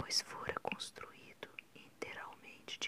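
A whisper moves along at a very slow pace, with noticeable noise in the background. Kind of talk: sleep story. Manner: soft-spoken, whispered.

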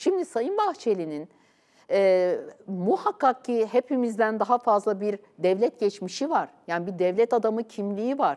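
An unremarkable speaking voice with lively intonation. The background is quiet. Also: woman, fairly high pitch for a woman. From Turkey. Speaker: political commentator. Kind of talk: heated debate. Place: studio.

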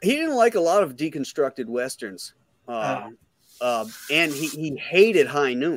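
Light background noise sits under a man's fairly high voice, with very wide pitch swings. He keeps a moderate pace, and the sound is dry with no echo. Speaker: comic artist. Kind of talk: casual chat. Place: home room.

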